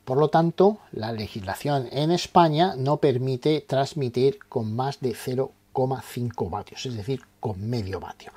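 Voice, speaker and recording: A man's medium-pitched voice, a little mellow and slightly rough, guides listeners through a step-by-step tutorial. He's didactic, explaining terminology and posing questions that he goes on to answer.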